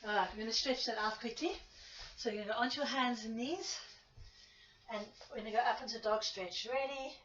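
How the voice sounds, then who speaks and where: A woman's voice: a little high, fairly even intonation, fairly quick, a bit bright. A woman instructing an exercise class in short step-by-step cues and counts, with informal asides, audibly exerting herself as she demonstrates. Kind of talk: spoken workout instruction with counting. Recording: echoey room, distant mic, muffled, faint noise.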